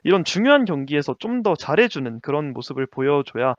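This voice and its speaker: A man co-hosting a casual basketball talk show, lively and quick to laugh, sometimes stumbling over names. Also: on the high side, no room sound, lo-fi sound. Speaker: podcast co-host.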